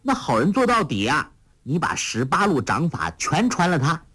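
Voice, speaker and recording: A man's voice: fairly high pitch, wildly swooping pitch, sharp tone, breathy edge, voice pushed up, exaggerated voice. A man voicing a clever, playful young woman who talks in a coaxing, sweet way. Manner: coaxing, sweet, quick-witted.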